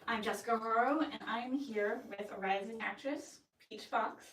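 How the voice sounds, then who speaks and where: A woman hosting an interview, asking brisk, friendly questions. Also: a little high, a bit bright. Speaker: host. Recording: roomy, distant from the mic.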